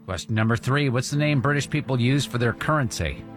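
A man's voice: medium pitch, brisk. Man, radio host, joking, playful, music underneath. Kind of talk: morning radio banter, quiz host.

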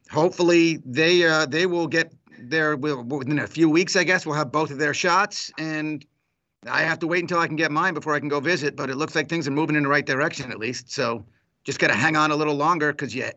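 A man rambles through a casual podcast chat, poking fun at himself. His voice is bright and a little high, and the recording is dull and lo-fi. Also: a little fast. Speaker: morning radio host.

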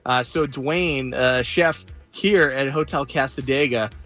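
A man reporting live for a radio show, telling his experiences casually and haltingly, with repeated starts. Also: mid-range voice, fairly bright tone, faint music behind. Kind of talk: casual live on-air storytelling.

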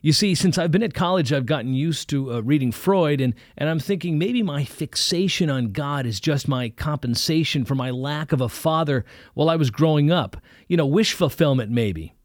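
Man doing a stammering young student, nervous, hesitant, higher voice, dry close sound. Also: expressive, normal speed, darkish tone, dry recording, natural voice.

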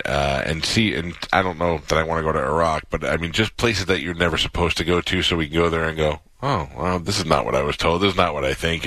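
Radio host, man, 50s, low forceful voice, rambling chatty questions, dry studio mic. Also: no echo. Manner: rambling, self-interrupting questions. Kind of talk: casual interview chat.

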